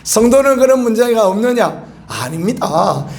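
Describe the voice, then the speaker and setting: A man's voice: high voice, very animated, moderate pace, vocal fry, a little mellow. A middle-aged man preaching a sermon as a pastor, asking the congregation rhetorical questions and bursting into emphatic exclamations. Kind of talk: early-morning sermon. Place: church sanctuary.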